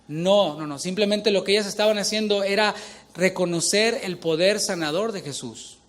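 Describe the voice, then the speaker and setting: A man's voice: high-pitched, moderate pace. A middle-aged male pastor preaching a sermon, asking the congregation questions as he reads scripture.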